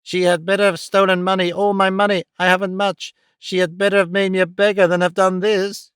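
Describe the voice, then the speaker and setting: A shrieking, panicky old miser of a moneylender, put on by a male reader of a storybook. His voice sits high and thin above a smooth, clear tone, recorded close and dry. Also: little pitch movement, brisk, a bit bright, no room sound. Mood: frantic. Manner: shrieking, wailing.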